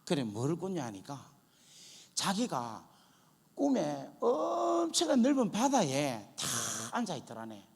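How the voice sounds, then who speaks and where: A male pastor preaching a testimony sermon, acting out prayers and conversations, dropping to a hush and then rising to loud cries. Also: high voice, huge pitch swings, measured pace, creaky, husky, big-room sound. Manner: dramatic, acts out prayers and dialogue, swings from hushed to loud. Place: church sanctuary.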